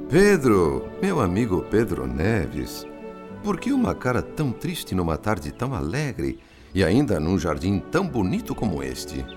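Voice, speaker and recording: An actor playing a kindly, philosophical male narrator in a radio drama, with a Brazilian accent and a measured, declamatory delivery. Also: sits low, huge pitch swings, music in the background, exaggerated voice. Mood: cheerful, encouraging.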